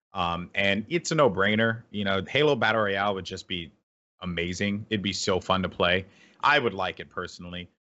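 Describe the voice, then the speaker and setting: With a normal speaking voice, a man speaks at a fairly low pitch and moderate pace, with ordinary pitch variation. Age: 30s. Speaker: esports host and commentator. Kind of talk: casual chat.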